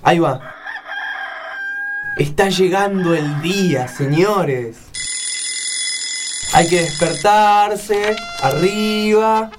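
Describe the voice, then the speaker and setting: A man playing a playful, excitable chapel helper in a radio drama, talking colloquially and insistently with a Rioplatense Argentine accent. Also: sits high, very slow, long pauses, background noise. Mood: excited, playful.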